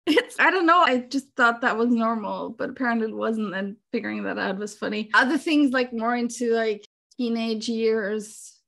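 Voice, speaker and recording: Woman guest, 40s, chatty and wry, higher voice with vocal fry. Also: moderate pace, fairly bright tone. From Austria. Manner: chatty, self-deprecating, laughs often. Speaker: podcast guest. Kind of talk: casual chat.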